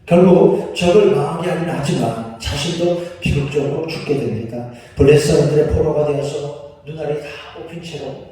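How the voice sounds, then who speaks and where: This pastor's voice sits a little high and mellow, moving at a normal speed with few pauses as he preaches in a church sanctuary. He keeps it conversational, frequently questioning the congregation, and the distant mic picks him up in an echoing hall.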